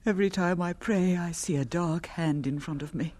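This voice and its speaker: A woman playing a gentle, fearful, ailing Gypsy wife and mother in an audio drama, speaking in a halting, anguished way. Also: on the low side, lightly acted. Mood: despairing, weak.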